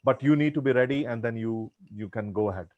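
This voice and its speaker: A man's voice: medium pitch, fast, no room sound, phone-quality sound. A middle-aged man with an Indian accent, whose first language is Punjabi, answers questions over a video call. He speaks earnestly, restarts and repeats phrases, and his mid-range voice sounds dry and close. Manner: earnest, advisory, repeats himself. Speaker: guest speaker.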